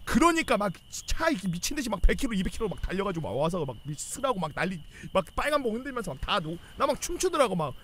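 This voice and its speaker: A young man casually telling a rowdy army story, swearing a lot and shouting out the officers' lines. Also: sits high, fast, few pauses, slight background noise. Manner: animated, swearing, acts out yelling officers.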